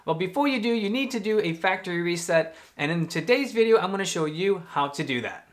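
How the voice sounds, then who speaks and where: A man's voice: high voice, fairly quick. Upbeat man hosting a gaming tutorial. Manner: friendly, energetic, addresses viewers directly. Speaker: gaming tech YouTuber host. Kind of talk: upbeat tutorial vlog to camera. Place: home room with a TV and a lamp, indoors. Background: faint background music.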